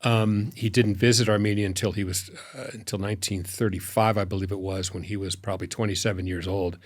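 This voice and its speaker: A man with a fairly low voice answers as an interview guest. He talks reflectively and in a measured way, pausing as he lays out anecdotes. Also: steady tone. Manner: measured, anecdotal storytelling with pauses. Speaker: foundation president, interview guest.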